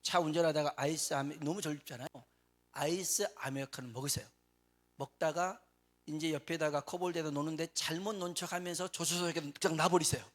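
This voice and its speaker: A man preaching a Sunday sermon as a pastor, quizzing his congregation with questions and reading scripture slowly and solemnly. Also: a little high, steady tone. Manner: reads scripture slowly and solemnly, swells louder on emotional lines. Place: church sanctuary.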